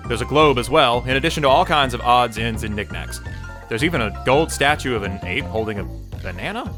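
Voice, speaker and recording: A man's voice: medium pitch, lively intonation, brisk, music in the background, close to an everyday voice. A man playing the observant storyteller of an audio drama, giving intrigued, descriptive scripted narration.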